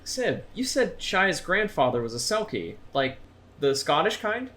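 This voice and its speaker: A man's voice: high-pitched, very animated, unhurried, a bit bright, full character voice. A man playing a thoughtful monster investigator in an audio drama, explaining things in a tentative way. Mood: curious. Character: Reese, thoughtful, well-informed male monster investigator. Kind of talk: naturalistic audio drama dialogue.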